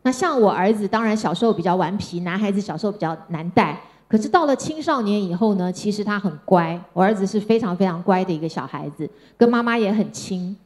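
A middle-aged woman from Taiwan speaks, telling personal stories from a stage. Her delivery is gentle and conversational, and she softens her sentences with particles at their ends. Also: medium pitch, expressive, fairly quick, hardly any pauses. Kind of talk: personal storytelling talk. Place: stage before an audience.

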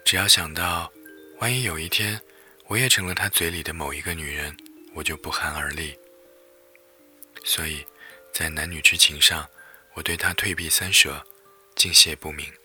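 Very deep-voiced man reading a story. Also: moderate pace, pauses often, pushed and bright, faint music behind. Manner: emotive, dramatic reading. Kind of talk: first-person romance story reading.

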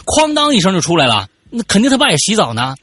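Man, podcast host, casual storytelling, husky voice, lively pitch. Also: quick pace, no room sound. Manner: animated, stammers when excited.

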